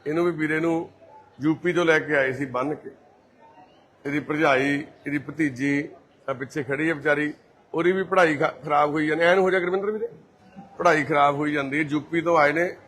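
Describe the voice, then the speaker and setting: A man from Punjab, India, the volunteer host of a care society, walking through a care centre and gently reassuring patients and their families. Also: a little high, fairly even intonation, a little fast. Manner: gentle and reassuring, calls people mother and brother. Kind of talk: casual on-camera walkthrough talk.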